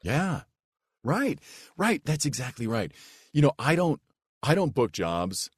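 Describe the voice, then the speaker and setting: A man with a big, low, rich voice who talks earnestly and thoughtfully as a voice actor guest in a casual podcast chat. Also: big pitch swings, a little slow, husky, no echo. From United States. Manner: earnest and reflective, with restarts and "like".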